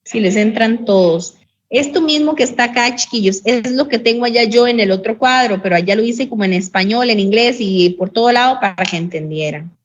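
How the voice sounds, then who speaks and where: A woman teaching an English grammar lesson in an online class, patiently repeating examples and saying English phrases slowly and carefully. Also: fairly high pitch. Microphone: computer mic on a video call. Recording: dull lo-fi call audio, faint noise.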